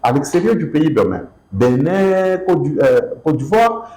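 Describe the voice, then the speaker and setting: Emphatic author with lively pitch. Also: male voice, a little slow, roomy sound, poor audio. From DR Congo, Kinshasa. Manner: expressive, emphatic, repeats himself with fillers. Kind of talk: interview answers.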